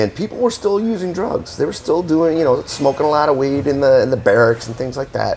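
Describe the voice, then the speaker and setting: A man with an American accent, fairly high in pitch, lively in intonation and fairly quick in pace, amid noticeable background noise. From Upstate New York. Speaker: military veteran and retiree. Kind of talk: casual interview chat.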